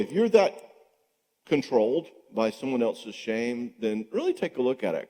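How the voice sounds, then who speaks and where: Older man teaching in a reverberant church. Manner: animated, asks rhetorical questions and acts out quotes in higher voices. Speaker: psychologist speaking at a marriage conference. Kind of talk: conference talk to a church audience. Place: church sanctuary. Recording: long church hall reverb.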